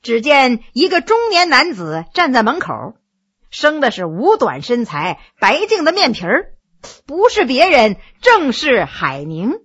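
A woman telling a historical story in expressive narration. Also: high-pitched, measured pace, husky, lo-fi sound.

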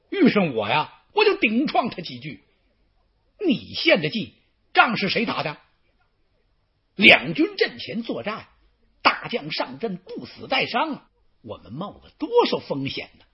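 A man doing a gruff, hot-tempered general. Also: high voice, wildly swooping pitch, a little slow, long pauses, exaggerated voice. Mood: indignant. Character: hot-tempered burly male general, blunt, proud. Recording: dull lo-fi recording.

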